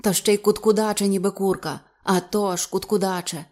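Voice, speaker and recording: A woman's voice: mid-range voice, steady tone, brisk, darkish tone, lightly acted. A woman voicing a cold critical inner voice. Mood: mocking.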